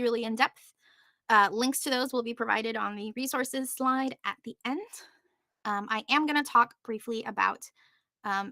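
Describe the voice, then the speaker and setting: Bright-voiced woman giving an informal panel talk. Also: a little high, no room sound, clean studio sound. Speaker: panelist presenting on podcast marketing.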